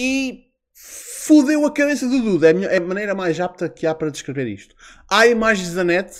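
This man speaks at a moderate pace with a European Portuguese accent, his high voice swinging very widely in pitch. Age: 20s. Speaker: wrestling podcast host. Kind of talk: casual chat. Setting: live stream.

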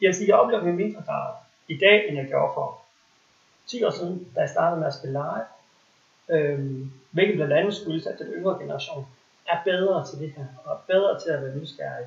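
Speaking at a moderate pace, the man leaves long, frequent pauses. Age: 30s. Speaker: role-player. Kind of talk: casual interview. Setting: home living room.

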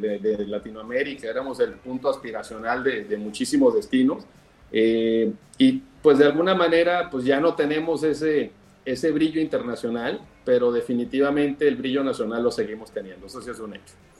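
At a fairly quick pace, a man at medium pitch talks with lively intonation and big swings in loudness. Noticeable background noise is present. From Venezuela, Caracas. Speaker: hotel general manager. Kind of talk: podcast interview.

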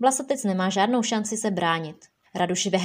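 Ordinary pitch variation in a natural reading voice over a quiet background

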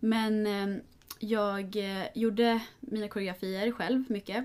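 The speech is very slow, with fairly even intonation. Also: woman. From Stockholm, Sweden. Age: 20s. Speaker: personal trainer and dietetics student. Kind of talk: casual interview.

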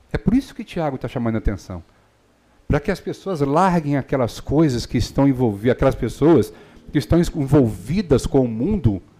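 A man speaks at a fairly high pitch with a dark, mellow tone. His pitch swings very widely at a moderate pace. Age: 50s. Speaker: guest preacher. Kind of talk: sermon. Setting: church.

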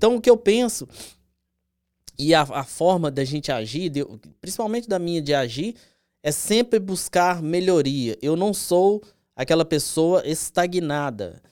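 Speaking with a Brazilian accent, a man with a high pitch talks at a fairly slow pace, using lively intonation and long, frequent pauses. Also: very clean recording, silent background. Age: 40s. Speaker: evangelical preacher and podcast host.

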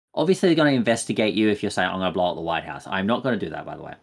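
A man is speaking. He has an Australian accent. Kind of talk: casual chat.

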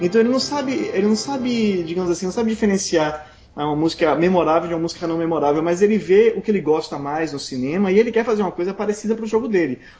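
Delivered at a very fast pace with lively intonation, the speech has noticeable background noise. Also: man, high pitch for a man. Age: 30s. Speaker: video game music composer. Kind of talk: casual interview.

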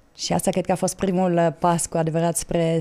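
A woman's fairly low voice with a dark, mellow tone, on a very clean recording with a silent background. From Germany. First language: German (speaking Romanian). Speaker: corporate CSR manager. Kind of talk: podcast interview. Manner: hesitant, many fillers.

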